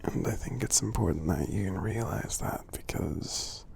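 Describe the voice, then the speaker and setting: Man playing a gentle giant, deep gravelly half-whisper. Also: expressive, exaggerated voice. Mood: earnest, encouraging. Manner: tender, halting, encouraging, with long pauses. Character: gentle friendly male giant, kindly and reassuring. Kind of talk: ASMR roleplay affirmations.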